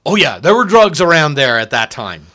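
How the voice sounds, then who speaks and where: A man co-hosting a podcast in casual chat, with a fairly high, bright voice. His pitch swings widely as he throws in sarcastic jokes and quick reactions. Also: very animated. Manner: wisecracking and sarcastic. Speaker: podcast co-host. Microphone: podcast microphone, wearing headphones.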